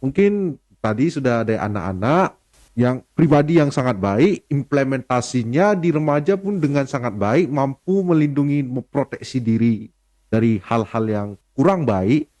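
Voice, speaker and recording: A man's voice: mid-range voice, lively intonation, moderate pace, a little mellow. A young adult man hosts an interview. He asks his questions in a polite, formal manner and encourages his guest to speak. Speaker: host.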